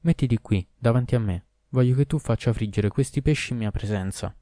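A man's voice: medium pitch, brisk, mellow, dry recording, studio quality, lightly acted. A man voicing an imperious king in a storybook reading, giving orders with authority. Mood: commanding. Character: commanding old-world male king.

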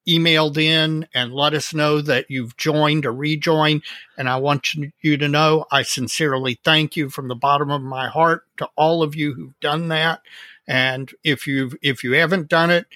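A man co-hosting a hobby podcast, earnest and friendly as he rambles along with fillers. His voice is fairly high and strikingly bright. It is recorded close and dry. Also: no room sound. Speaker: podcast co-host. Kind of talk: casual podcast chat.

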